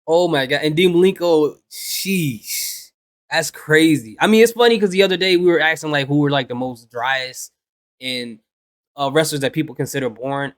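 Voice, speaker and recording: Laughing, joking reaction host man. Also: fairly high pitch. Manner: laughs a lot, quick joking asides. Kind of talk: casual reaction commentary.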